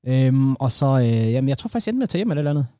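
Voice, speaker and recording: A young man co-hosting a podcast in casual chat, jokey and quick to laugh, trailing off with fillers. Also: medium pitch, animated, warm tone, dry recording, clean studio sound. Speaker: podcast co-host.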